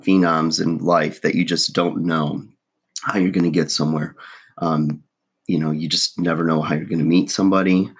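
A man's voice: low voice, husky. A man with a froggy morning voice, rambling through casual relationship advice to camera with lots of fillers and restarts. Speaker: vlogger giving relationship advice. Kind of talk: casual talking-to-camera monologue.

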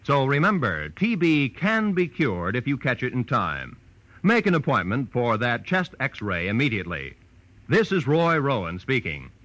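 A man's voice: mid-range voice, wildly swooping pitch, a bit bright, dry recording. A man with an American accent reading a scripted 1940s radio announcement in a formal, emphatic way. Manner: formal, emphatic, measured phrasing.

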